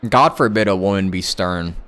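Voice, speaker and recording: A man's voice: low voice, normal speed, fairly bright tone. A man livestreaming a game, chatting casually and reacting in a laid-back, joking way over the game audio. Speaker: game streamer.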